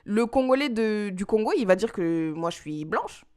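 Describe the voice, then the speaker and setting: A woman from France co-hosting a podcast in casual chat, talking in quick rushes with colloquial slang. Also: mid-range voice, smooth. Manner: animated, talks fast in rushes, colloquial slang. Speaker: podcast co-host.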